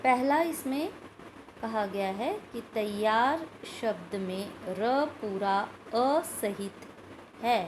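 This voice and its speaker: Slow, patient woman teacher. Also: on the high side, animated, slight background noise, rough recording. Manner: explains slowly, repeating words and sounds aloud; asks questions of pupils, adds "ठीक है" often. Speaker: school Hindi teacher. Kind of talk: recorded video lesson.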